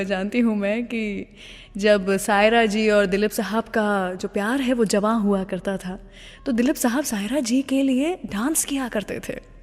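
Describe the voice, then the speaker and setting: Woman radio host with long reverb. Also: fairly high pitch. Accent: Indian. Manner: chatty, addresses listeners directly, mixes in English phrases. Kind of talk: conversational radio presenting with storytelling.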